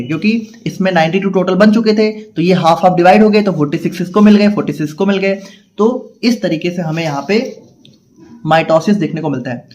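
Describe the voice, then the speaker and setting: Man, high voice, online pharmacy tutor, asks and answers his own questions. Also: a little mellow. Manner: reads English definitions out slowly, explains them in Hindi. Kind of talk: explanatory lecture.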